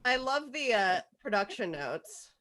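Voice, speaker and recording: Woman, fairly high voice, very lively intonation, casual organizer, playful and excitable. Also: unhurried, crowd noise. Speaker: organizer of an online script table read. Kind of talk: casual group chat, handing out parts. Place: online video call.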